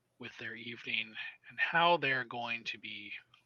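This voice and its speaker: Putting on a raspy character voice, a man speaks at a medium pitch and moderate pace with ordinary pitch variation. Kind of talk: dark fantasy scene narration. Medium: actual play.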